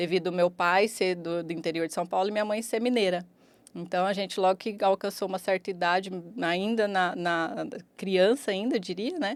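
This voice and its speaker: A woman's voice sits at a medium pitch, moving at a moderate pace with ordinary pitch variation. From Goiás, Brazil. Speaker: marketing agency CEO. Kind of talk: podcast interview.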